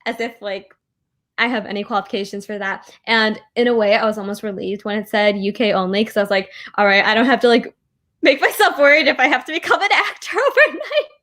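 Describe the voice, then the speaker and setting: A woman's voice: on the high side, fast, fairly bright tone. A young American woman co-hosting a casual book chat, informal and playfully self-deprecating. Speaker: co-host of a book discussion live stream. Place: in bed at home.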